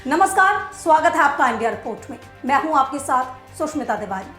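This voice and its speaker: A woman's voice: high voice, lively intonation, a little fast, a bit bright. A woman news presenter delivers scripted commentary, emphatic and rhetorical with a sarcastic edge. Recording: echoey room with music behind.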